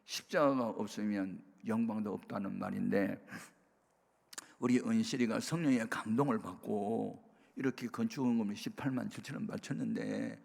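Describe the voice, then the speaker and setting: Gravelly-voiced pastor preaching in a hall. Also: male voice, on the low side, normal speed. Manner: animated storytelling, bursts of loud emphasis. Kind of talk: sermon testimony. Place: prayer retreat sanctuary. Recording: reverberant worship hall.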